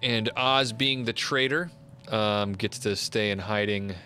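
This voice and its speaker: Lowish, bright-voiced man in game chat. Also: unhurried, soft background music. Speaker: board game player. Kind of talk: casual tabletop game chat.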